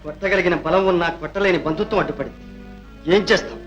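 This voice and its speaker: An actor playing a stern older uncle who defends his niece, indignant and rising to loud declamation in 1960s film melodrama. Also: sits high, fast talker, muffled recording, faint music behind.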